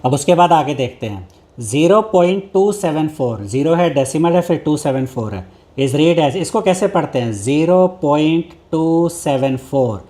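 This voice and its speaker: Male maths tutor, slightly higher voice, patient and repetitive, step-by-step explainer. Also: animated, dark tone. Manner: mixes Hindi with English maths terms, reads English textbook lines slowly; patient, repeats each step. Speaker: maths teacher. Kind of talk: explaining a textbook lesson.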